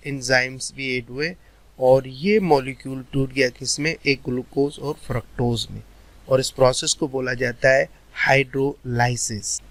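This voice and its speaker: A man teaching a biology lecture, mixing Hindi-with slowly read English textbook lines and answering his own questions. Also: medium pitch, no room sound, rough recording. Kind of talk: recorded lecture over animations.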